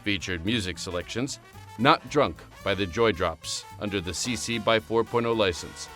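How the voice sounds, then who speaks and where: A man announces show credits from a script. His voice is low and crisp with a bright, forceful edge, and music plays faintly behind him. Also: moderate pace.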